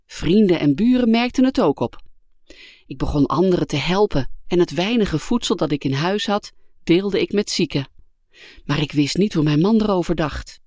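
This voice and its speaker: A woman calmly and earnestly narrating a first-person life story from a script. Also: fairly low pitch, no echo, clean studio sound.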